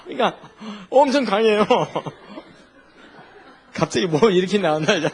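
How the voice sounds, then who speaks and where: A male pastor preaching a sermon in an animated, humorous way, full of rhetorical questions. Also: sits high, slow, a little hiss or hum.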